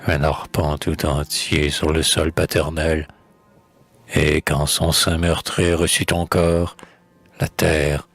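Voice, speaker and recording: A man with an extremely deep, husky voice gives a solemn dramatic recitation of poetry. He takes his time, shaping each phrase in a declamatory, elegiac way. Music plays clearly behind him. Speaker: poetry reader.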